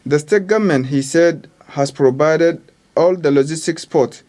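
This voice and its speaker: Male field reporter, Nigerian accent, fairly high voice, formal scripted news report. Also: normal speed, a little mellow.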